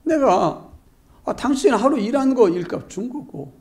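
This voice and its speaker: A preacher playing a firm, reasoning landowner. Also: male voice, very high voice, expressive, unhurried, a little mellow, voice pushed up, full character voice. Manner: reasoning, patiently arguing back. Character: calm firm landowner defending his fairness.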